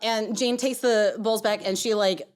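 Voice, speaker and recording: A woman's voice: a little high, steady tone, moderate pace. A woman improvising casual narration as a player in a tabletop role-playing game.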